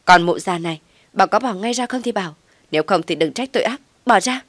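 A woman's voice: lowish voice, a little fast, no room sound. A woman voicing a defiant young pregnant daughter-in-law who argues back sharply. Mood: furious. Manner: sharp, argumentative.

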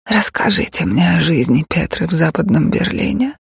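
A man voicing a weary, cautious East German woman who talks softly and breaks off mid-sentence, in a gravelly voice. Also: fairly high pitch, lively intonation, moderate pace, no room sound, clean studio sound, pitched above the performer's own voice, full character voice. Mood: guarded.

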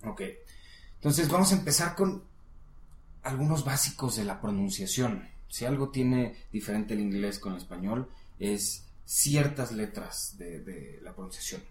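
A man giving a casual one-on-one English lesson, patiently coaching and modelling words slowly. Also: lowish voice, lively intonation, darkish tone, roomy sound. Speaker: English teacher.

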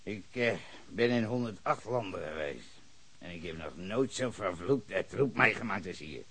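Radio play: a man voicing a hostile, ranting bar owner in his fifties, with a lively, husky, bright delivery. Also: sits low, normal speed, heavily acted. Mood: grumbling. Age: 50s. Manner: cursing, ranting, swings between shouting and muttering. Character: foul-mouthed hostile older male bar owner, drunken ranter.

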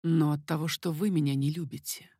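A woman doing an ardent low-voiced king. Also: fairly even intonation, mellow, slightly rough, no room sound, clean studio sound. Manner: low, slow, insistent. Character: amorous middle-aged man, a king, confident and ardent.

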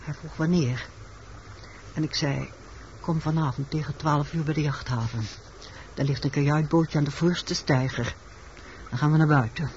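A woman's voice: deep voice, normal speed, long pauses, darkish tone, natural voice. Muffled recording, weary, secretive woman played by an actress. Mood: subdued, confiding. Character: weary, secretive woman confessing a wartime killing. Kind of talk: radio drama acting. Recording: muffled, noisy old radio recording.

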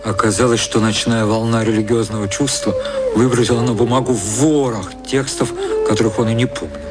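A man narrating a satirical literary radio play in a measured, composed way. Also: mid-range voice, fairly even intonation, lightly acted. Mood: composed, ironic. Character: composed male storyteller of a satirical novel. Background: loud music.

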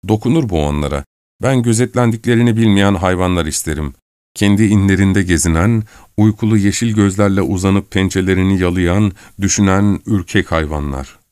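A man reading a literary audiobook in a measured, introspective way. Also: low voice, a little mellow, clean tone, dry recording, studio quality. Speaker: audiobook narrator. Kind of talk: scripted literary narration.

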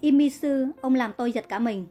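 A woman's voice: high-pitched, brisk, warm tone, faint music behind, close to an everyday voice. A woman reading the part of a kind young woman who pleads earnestly in a narrated story. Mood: pleading. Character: kind young woman healer, frightened captive.

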